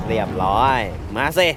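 A man giving excitable, laughter-filled commentary while playing a mobile game, taunting his opponents as he goes. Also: on the low side. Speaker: gaming channel host.

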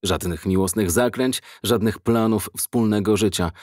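A man reading an audiobook in measured, even scripted narration. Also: fairly low pitch, dry recording, studio quality.

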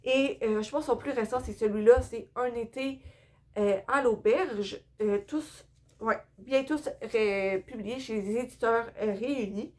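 A woman's voice: fairly high pitch, unhurried, darkish tone. A young woman with a Québécois accent chatting casually about her books in a home vlog, hesitant with many fillers and a bit tired. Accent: Québécois French. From Quebec. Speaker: book vlogger. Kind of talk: casual book haul vlog. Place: indoor room with bookshelves.

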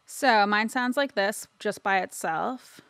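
A woman narrating a casual, informal software tutorial, explaining step by step and checking in as she goes. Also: mid-range voice, slow, vocal fry, dry recording. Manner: informal, explanatory, frequent "right?" tags. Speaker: audio editing instructor.

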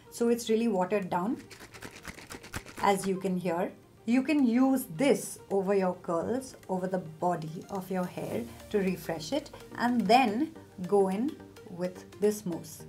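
A woman's voice: mid-range voice, a little mellow. A young woman giving hair care tips to camera in an emphatic, direct, chatty way. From India. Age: young adult. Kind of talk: casual instructional talk to camera.

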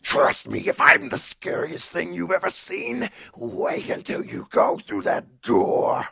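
A man voicing a menacing, scary villain with a gravelly, raspy voice. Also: high voice, huge pitch swings, takes it slowly, bright, forceful tone, no room sound, clean studio sound, voice pushed up, heavily acted.

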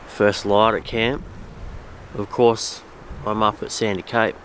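A man's voice: on the low side, takes it slowly, slight background noise. A man in his thirties with an Australian accent, chatting casually and rambling a little as he vlogs from a beach campsite, camera held at arm's length. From Western Australia. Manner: relaxed, rambling, repeats himself. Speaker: camping vlogger. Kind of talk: casual outdoor vlog.

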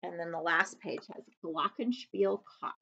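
A woman, reading a storybook aloud to children with expressive, dramatic delivery. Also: fairly low pitch, unhurried, creaky, husky. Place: living room, on a couch. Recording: slightly dull webcam audio.

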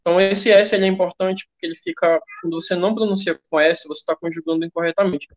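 A man's voice: high voice, quick pace. A Brazilian man teaching English online, calling on students and joking with the class. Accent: Brazilian Portuguese. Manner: joking, relaxed classroom banter. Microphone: computer mic on a video call.

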